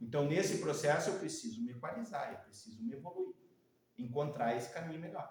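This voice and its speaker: A man speaks here. His pitch sits fairly high for a man. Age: 60s. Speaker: spiritist study group speaker. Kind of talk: spiritual talk. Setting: spiritist centre.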